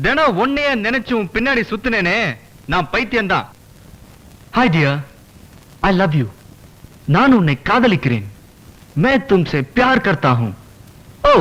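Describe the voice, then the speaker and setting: Theatrical young would-be actor, high bright voice, declaiming, film music underneath. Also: male voice, heavily acted, poor audio. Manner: theatrical, declaiming practice speeches. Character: brash young man rehearsing dialogue loudly. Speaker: aspiring actor. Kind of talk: 1990s Tamil film comedy.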